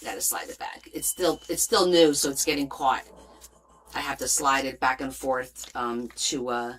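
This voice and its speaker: This woman's voice is a rumbling low, slightly rough, and at normal speed, captured with poor audio. Portuguese by birth and raised in New Jersey, she speaks with a light Jersey accent while crafting on a casual livestream, chatting, reading viewer comments aloud, and adding lively rises and soft asides.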